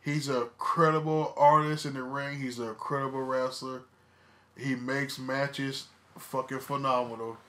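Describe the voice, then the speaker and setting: A man's voice: mid-range voice, flat delivery, unhurried, fairly bright tone. A man co-hosting a casual wrestling podcast, blunt and profane, stressing his opinions by repeating words. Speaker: podcast co-host.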